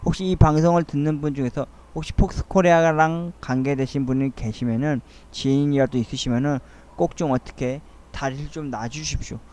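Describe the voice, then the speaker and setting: A middle-aged man rambling through a soliloquy-style audio essay, speaking in a halting, earnest and wistful way. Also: fairly high pitch, steady tone, a little mellow. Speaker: host of a monologue essay channel.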